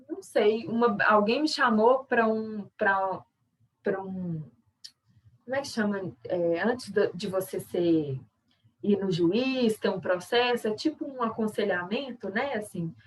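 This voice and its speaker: A woman's voice: medium pitch, a little slow, recorded from a distance, low-quality recording. A woman with a Brazilian Portuguese accent, a sign language interpreter teaching an online workshop in a conversational, explanatory way with frequent tag questions.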